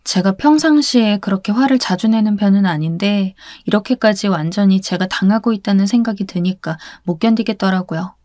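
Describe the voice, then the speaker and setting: Woman storyteller, confiding first-person narration, medium pitch, dry close mic. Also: brisk, hardly any pauses, darkish tone, no echo. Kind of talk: radio story reading.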